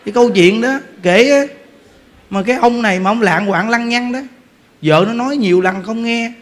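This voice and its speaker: A man with a Southern Vietnamese accent giving a humorous Buddhist sermon, telling a story with lively repetition and frequent laughter. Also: very high-pitched, moderate pace. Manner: animated storytelling, repeats words, laughs often. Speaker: Buddhist preacher. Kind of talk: humorous dharma talk.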